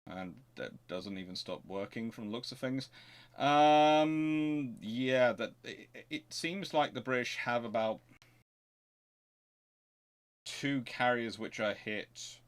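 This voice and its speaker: A man with a medium-pitched voice presents as host of a history show. His delivery is informal and unpolished, with self-corrections as he works through questions and passages. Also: slow pace, long pauses, clear, resonant tone. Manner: hesitant, thinking aloud, self-correcting. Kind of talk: informal question-and-answer talk and reading aloud from books.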